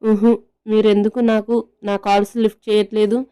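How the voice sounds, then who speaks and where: A woman voicing a lovesick young woman who talks in a soft, pleading, emotional way in an audio love story. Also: mid-range voice, little pitch movement, moderate pace, clean tone, close to an everyday voice. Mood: hurt.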